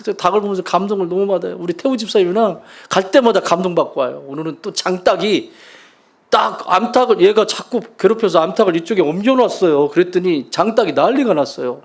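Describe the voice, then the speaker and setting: A man's voice: high voice, vocal fry. A man preaching a sermon as pastor, emphatic and leading his congregation in call-and-response. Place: church sanctuary.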